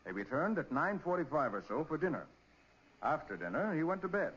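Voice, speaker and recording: American master detective, 1940s radio crime drama: shrewd, authoritative, slightly rough voice, muffled vintage recording. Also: male voice, a little high, sing-song, a little fast, a bit bright, heavily acted. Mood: explaining, puzzled. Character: shrewd, composed male master detective leading a murder case.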